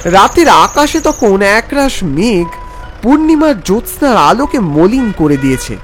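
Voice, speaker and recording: An expressive narrator telling a scripted horror story with suspense and drama. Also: medium pitch, unhurried, soft background music.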